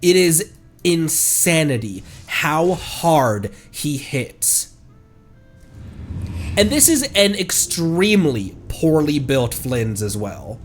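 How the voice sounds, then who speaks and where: A man with a stuffed-up nose giving casual, rambling commentary as a livestreamer, often halting and correcting himself. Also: a little high, sing-song, faint music behind. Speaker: livestreamer, VTuber. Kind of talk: casual game stream commentary.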